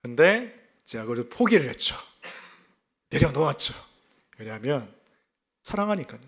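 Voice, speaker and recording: A South Korean pastor from South Gyeongsang speaks in a mid-range voice at a moderate pace. His expository sermon is lively, explaining scripture alongside personal anecdotes, with frequent rhetorical questions for his listeners.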